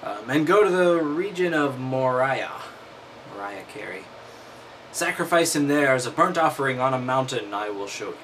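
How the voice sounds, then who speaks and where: A man's voice: medium pitch, expressive, moderate pace, a bit bright, a little hiss or hum. A man reading aloud and breaking off into wry, mocking commentary. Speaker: host.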